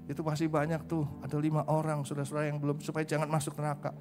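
Pleading rich man in hell, voiced by a male preacher, hurried, desperate, slightly raised pitch. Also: monotone, over music, natural voice.

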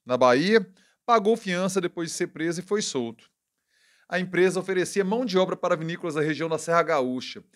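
Indignant Brazilian man, fast commentary. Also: a little high, a bit bright. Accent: Brazilian Portuguese. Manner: indignant, wry, talks fast with self-corrections. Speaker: political commentary youtuber. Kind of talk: casual political commentary.

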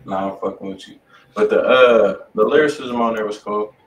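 A man's voice: on the low side, normal speed, dull audio. A man with an American accent co-hosting a show in blunt, profane, slangy casual chat. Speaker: music review show co-host. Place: indoor room with desk and studio monitors. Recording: roomy, distant mic, background noise.

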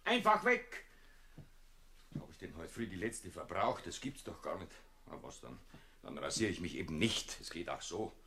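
An actor playing a grumpy, easily exasperated married man in an audio play, with a husky voice and a Bavarian accent. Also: sits low, sing-song, moderate pace, pushed and bright, full character voice. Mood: grumbling. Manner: blustering, grumbling.

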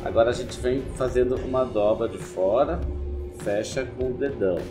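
Brief: Brazilian man, thirties, baker teaching in a kitchen, patient explaining tone, soft music under him. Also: mid-range voice, moderate pace. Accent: Brazilian Portuguese. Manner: explanatory, gentle, many "né" and "assim" tags. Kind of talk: cooking demonstration.

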